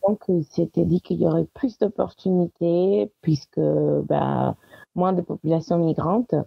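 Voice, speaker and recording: A woman's voice: fairly low pitch, fairly even intonation, unhurried, creaky, slightly rough, no echo, dull audio. A woman in her thirties, a guest in an interview, talking casually with frequent small laughs and hesitations. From Italy. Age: 30s. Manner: warm, laughs often, many hesitations.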